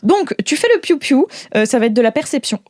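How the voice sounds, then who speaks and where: A woman's voice: high-pitched, expressive, a little fast, a little mellow, dry recording, studio quality. A woman running an improvised tabletop role-play game as game master, talking informally and hesitantly with playful little sound effects.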